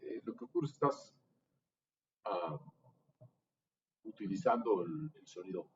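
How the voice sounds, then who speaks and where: A man with a Mexican accent, a music workshop teacher patiently coaching a student through a vocal improvisation exercise in halting, encouraging phrases. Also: lowish voice, animated. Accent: Mexican Spanish. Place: university music classroom. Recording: dull, distant room recording with faint noise.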